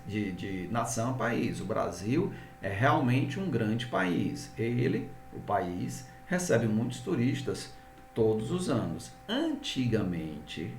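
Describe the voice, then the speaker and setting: A man's voice: medium pitch, gravelly, echoey room, far from the mic. A man with a Brazilian Portuguese accent, an English teacher explaining grammar step by step and often checking in with his students. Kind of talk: grammar lesson.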